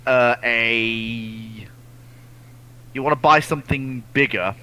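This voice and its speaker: A man's voice: medium pitch, pushed and bright, low-quality recording. A man co-hosting a casual expert chat, speaking emphatically and repeating himself for weight, recorded with some noise. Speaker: co-host answering viewer questions. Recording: clearly audible background noise with clicks.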